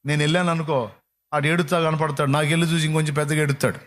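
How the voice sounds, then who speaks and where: A man's voice: on the high side, level tone, racing, fairly bright tone. Fervent man preaching a sermon. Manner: fervent preaching with repetition and quoted prayers. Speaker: pastor. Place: church service.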